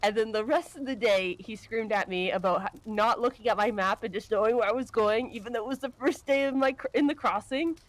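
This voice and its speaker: A woman playing an excitable young adventurer in a western, telling campfire stories casually with a giggly, animated delivery. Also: fairly high pitch, brisk, hardly any pauses, close to an everyday voice. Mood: amused reminiscing. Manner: giggly, animated storytelling with laughter breaking in. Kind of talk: casual in-character campfire storytelling.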